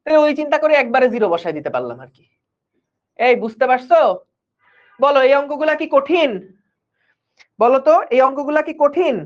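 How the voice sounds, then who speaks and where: A man's voice: very high-pitched, lively intonation, a little fast, long pauses. Man, physics tutor, online class, conversational, checks understanding often, dull lo-fi sound. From Bangladesh. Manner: conversational, keeps checking students follow. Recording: dull lo-fi stream audio.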